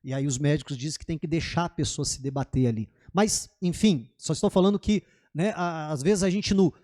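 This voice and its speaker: A Brazilian man preaching a sermon in a church as pastor, animated, asking the congregation questions and acting out the voices he quotes. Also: fairly high pitch, a little fast.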